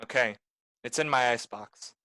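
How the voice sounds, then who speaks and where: A man's voice: mid-range voice, moderate pace, sharp tone, no echo, lightly acted. A man playing a cool, shrewd private detective in a film noir radio play, with a clipped, tough delivery. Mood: wry, firm. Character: hard-boiled male private detective, cool, shrewd, commanding.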